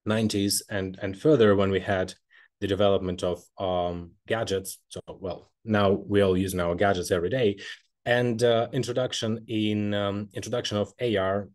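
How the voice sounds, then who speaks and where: A young man from Kazakhstan giving an academic webinar presentation over a video call, pausing often with ums and uhs. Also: on the low side, a little mellow. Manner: hesitant, frequent ums and uhs. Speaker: webinar presenter, postdoctoral researcher. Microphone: laptop mic on video call.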